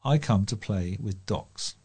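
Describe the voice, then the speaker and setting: A man's voice: lowish voice, expressive, unhurried, darkish tone, breathy edge. A man reading local news stories aloud as a volunteer reader.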